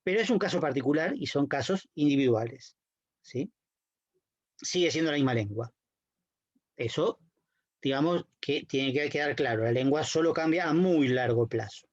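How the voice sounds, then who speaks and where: A man's voice: a little high, normal speed, pauses often, dry recording, dull audio. A man giving a university lecture, explaining patiently and checking in with his students.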